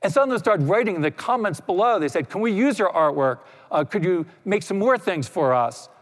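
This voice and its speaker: Man, conference talk, somewhat high voice, relaxed explaining, long hall reverb. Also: a little fast. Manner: relaxed explaining with many "you know" asides. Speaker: panel speaker. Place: lecture hall.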